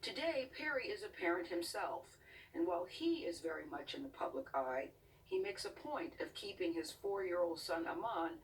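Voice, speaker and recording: A woman's voice: fairly low pitch, sing-song, moderate pace. A woman TV interviewer and correspondent, moving between scripted report lines and chatty questions. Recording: distant mic with faint ambient noise.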